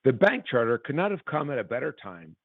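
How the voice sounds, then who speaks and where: The voice comes through a narrow, phone-like line with a dry sound. It is a man with a medium-pitched voice, delivering prepared financial results formally, like an executive on an earnings call. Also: sing-song, fairly quick, vocal fry, no room sound. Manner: formal, businesslike. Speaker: company executive presenting quarterly results. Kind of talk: scripted earnings call presentation.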